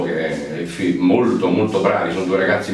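A man's very deep, low voice at a moderate pace, with audible room echo and light background noise. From Italy. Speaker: stage actor. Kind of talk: interview answer. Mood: warm, appreciative. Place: home room.

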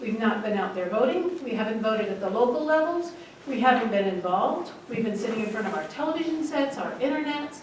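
A high-pitched woman at a fairly quick pace, with audible room echo and light background noise. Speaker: audience member. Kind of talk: public comment statement. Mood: indignant, earnest. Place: hall.

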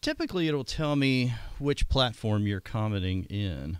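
Quiet background, a man's moderate pace, and dry sound with no echo. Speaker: art instructor. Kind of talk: tutorial. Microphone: studio mic.

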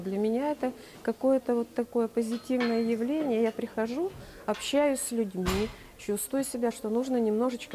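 Light background noise sits under a woman's fairly high voice with ordinary pitch variation. She keeps a moderate pace while her loudness swings widely. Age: 60s. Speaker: retiree, rehabilitation patient. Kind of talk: testimonial interview answer. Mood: calm, warm, positive. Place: gym. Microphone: camera far.

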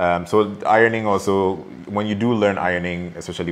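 This man's very deep, low voice moves at a moderate pace with lively intonation. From Ghana. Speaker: vlogger. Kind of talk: casual chat. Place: home room.

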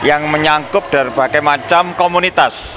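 Clearly audible background noise behind a man speaking at a middling tempo. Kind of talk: interview answer. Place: hall. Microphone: handheld.

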